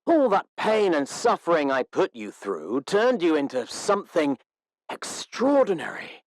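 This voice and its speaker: An actor playing a cold, arrogant villainous scientist in a video game, speaking in a precise, formal, haughty way. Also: male voice, fairly high pitch, wildly swooping pitch, a little slow, no echo, low-quality recording. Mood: smug, irritated. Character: cold, arrogant villainous male scientist, menacing and self-assured.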